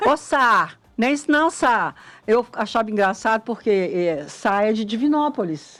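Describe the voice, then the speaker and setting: A woman with a Belo Horizonte accent speaks at a fairly slow pace in a fairly high pitch, her voice making very wide pitch swings. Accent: Belo Horizonte accent, kept. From Belo Horizonte, Brazil. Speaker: radio host. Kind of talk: casual chat.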